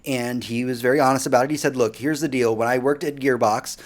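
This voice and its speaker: A man's voice: medium pitch, steady tone, quick pace. A man hosting a casual podcast on pop culture and gaming news, speaking informally and with emphasis. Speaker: podcast host.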